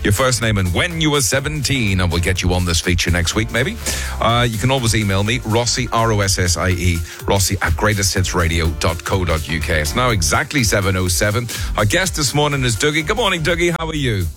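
Upbeat male radio host, animated delivery, talks over a faint music bed. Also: a little fast. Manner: chatty, jokey, with lively pitch swings. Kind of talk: breakfast radio chat.

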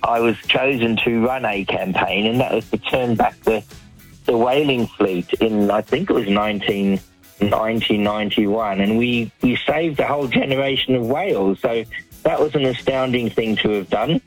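A man's voice: mid-range voice, normal speed, slightly rough, soft background music, low-quality recording. A man who grew up in Australia calls a radio show and tells his life story in a chatty, anecdotal way with frequent ums and restarts. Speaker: caller, professional storyteller.

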